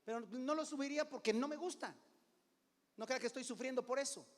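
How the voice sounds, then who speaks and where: A middle-aged man preaching as a pastor, conversational, often calling "hermano", swinging between loud and hushed. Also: very high-pitched, brisk. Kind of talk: sermon. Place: church sanctuary. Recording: long hall reverb.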